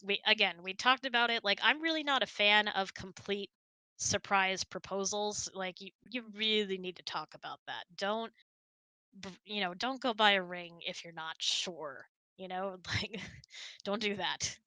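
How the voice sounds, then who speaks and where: A woman's voice: mid-range voice, unhurried, pushed and bright, no room sound, poor audio. A woman hosting a casual question-and-answer chat in an informal, giggly, chatty way. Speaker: host.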